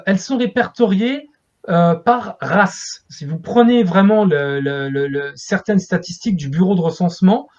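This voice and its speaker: A man's voice: high voice, a little mellow, lo-fi sound. A man speaking as a guest expert in an interview, explaining things in a lecturing way as if to students.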